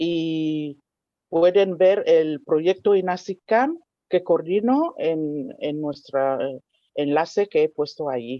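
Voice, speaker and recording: A woman with a Cameroonian accent speaks at a very slow pace with ordinary pitch variation. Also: fairly low pitch for a woman. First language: Ewondo (speaking Spanish). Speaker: panel speaker, project coordinator. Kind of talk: round-table talk. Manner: hesitant with many fillers.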